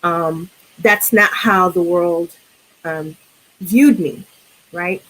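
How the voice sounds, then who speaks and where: A woman with a New York accent, a guest on a film discussion, speaking reflectively with many pauses and restarts. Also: fairly low pitch, fairly bright tone, poor audio.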